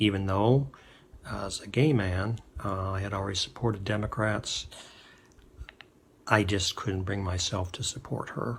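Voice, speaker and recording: A man talks at a fairly slow pace with long, frequent pauses. His voice is somewhat breathy and fairly low in pitch. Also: ordinary pitch variation. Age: 60s. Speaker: vlogger sharing political story. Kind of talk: personal testimony. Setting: self-recorded video. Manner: halting, many fillers.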